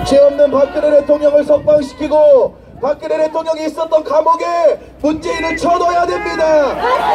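Shouting over crowd noise, a man speaks at a fairly quick pace with an extremely high pitch. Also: ordinary pitch variation. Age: 20s. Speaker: political rally speaker. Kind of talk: protest rally speech. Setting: outdoors. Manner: shouting, impassioned. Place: street.

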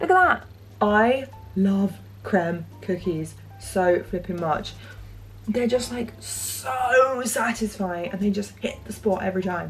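A woman talks at a very slow pace. Faint music plays in the background. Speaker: food vlogger. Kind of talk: casual vlog chat. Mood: enthusiastic.

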